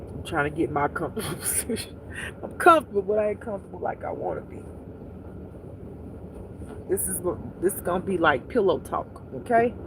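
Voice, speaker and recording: A livestream host talking in a soothing, unhurried, intimate pillow-talk way, repeating gentle instructions to relax. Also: mid-range voice, very animated, noisy background.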